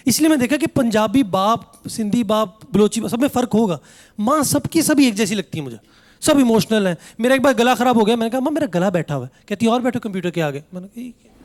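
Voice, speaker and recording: A young man doing stand-up on a comedy stage, and his voice sits high for a man. He tells family stories with animated delivery and briefly acts out his parents and relatives as he goes. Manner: animated storytelling, acting out family members. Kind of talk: stand-up routine. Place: comedy stage before a live audience.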